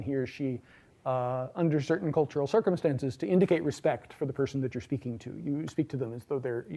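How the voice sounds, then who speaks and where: Relaxed, chatty male lecturer. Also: mid-range voice. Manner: relaxed, chatty, many fillers and asides. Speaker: linguistics lecturer. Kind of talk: university lecture. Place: large lecture hall.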